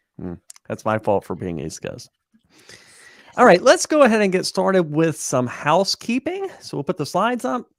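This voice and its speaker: With a Southern US accent, a man talks at a moderate pace with big swings in loudness, in a dry, close sound with no echo. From US South. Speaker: developer advocate, webinar host. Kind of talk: live webinar hosting. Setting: live stream. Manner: conversational.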